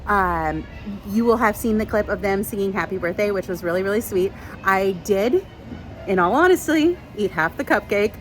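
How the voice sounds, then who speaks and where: A woman vlogger chats casually, rambling with fillers, her medium-pitched voice lively in intonation and normal in speed. She is filmed outdoors at a theme park and also at home, and at times she sounds stuffy from allergies. The recording is rough.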